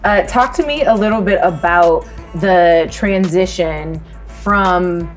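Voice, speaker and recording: A woman's voice: fairly low pitch, faint music behind. A woman hosting an interview, upbeat and bubbly as she asks her questions. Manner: upbeat, bubbly, quick to laugh. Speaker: host, interviewer. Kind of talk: casual interview chat.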